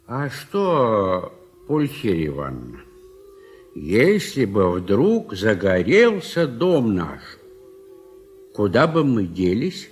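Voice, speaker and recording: An actor playing a gentle, playful old country squire in a radio play, halting and humming to himself. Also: male voice, fairly low pitch, big pitch swings, soft background music, full character voice. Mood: sly teasing. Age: older. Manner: slow, halting, murmuring hums to himself. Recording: husky 1970s mono studio recording.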